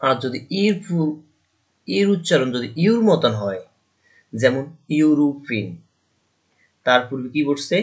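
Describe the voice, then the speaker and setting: A man's voice: medium pitch, lively intonation, unhurried, long pauses. A man from Bangladesh, teaching a grammar lesson to students. He keeps asking questions and answering them himself, and he repeats the key points.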